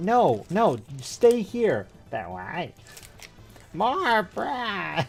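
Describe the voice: A put-on character voice at a middle pitch speaks at a very slow pace. Long pauses come often.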